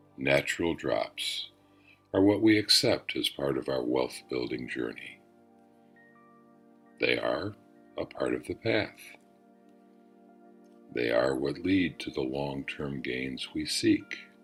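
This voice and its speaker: The voice moves at a very slow pace with a calm tone and long, frequent pauses. Music plays in the background. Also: man. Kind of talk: guided meditation. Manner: slow, calm, reassuring.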